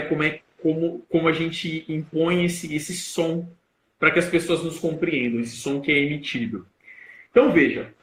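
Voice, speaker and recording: Young Brazilian man, public-speaking coach on a live stream, bright, punchy delivery with deliberate emphasis, roomy echo. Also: a little high. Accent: Brazilian Portuguese. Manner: explanatory, plays with emphasis and loudness to demonstrate.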